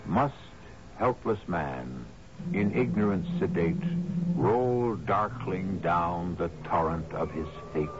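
An actor playing the solemn, brooding host of a radio mystery, narrating in a measured way with dramatic pauses. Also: male voice, deep voice, animated, heavy background noise. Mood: measured, ominous. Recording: dull radio broadcast under music.

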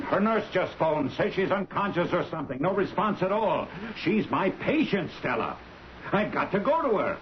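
A harried family doctor, exasperated and urgent. His high voice swings widely in old radio drama style. The recording is muffled. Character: harried, impatient, dutiful male family doctor. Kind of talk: 1970s radio drama acting. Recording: muffled, faintly noisy old radio broadcast.

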